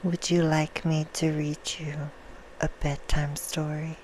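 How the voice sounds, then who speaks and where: A woman voicing a seductive, courtly vampire hostess for ASMR, soothing and sinister, in a slow, hushed half-whisper. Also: sits low, flat delivery, low-quality recording. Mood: soothing, inviting. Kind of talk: ASMR roleplay, bedtime storytelling. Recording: clear background noise.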